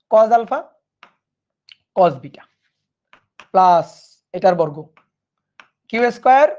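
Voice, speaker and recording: A man teaching a physics lesson online, talking casually and often checking whether his students follow. At times he drops to a hushed voice. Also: high voice, dull audio. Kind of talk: online class lecture.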